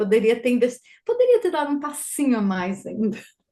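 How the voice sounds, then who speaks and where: A woman talks at a moderate pace and a high pitch in a dark, mellow tone. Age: 60s. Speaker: clinical psychologist. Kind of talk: interview. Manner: halting.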